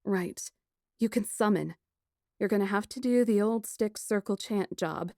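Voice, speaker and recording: A woman playing a plucky, sarcastic kidnapped young woman who narrates her ordeal in a first-person audiobook, wry and expressive. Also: mid-range voice, a little slow, dry recording, studio quality, natural voice. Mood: anxious.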